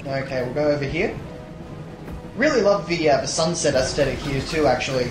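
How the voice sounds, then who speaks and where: A young man with a tired, hoarse voice, casually commenting on a platformer as a let's play host, rambling with many fillers and restarts. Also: on the high side, expressive, brisk, roomy sound, poor audio. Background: game music.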